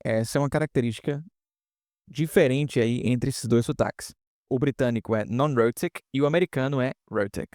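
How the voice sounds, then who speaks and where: A man's voice: medium pitch, brisk, darkish tone, dry recording, clean studio sound. A man teaching English pronunciation in a casual online lesson, explaining step by step and often checking in with students.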